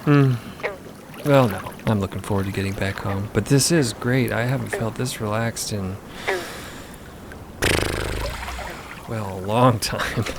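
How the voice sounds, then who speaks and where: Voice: mid-range voice, moderate pace, lightly acted. A performer playing an easygoing, good-humoured traveller, talking in a casual, rambling, hesitant way in a naturalistic audio drama. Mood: content. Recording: clear water noise behind voice.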